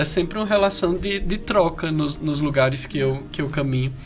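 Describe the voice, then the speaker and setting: A man in a northeastern Brazilian accent, ordinary pitch variation, music in the background. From Brazil, Ceará (Crato). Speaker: psychoanalyst. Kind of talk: podcast interview.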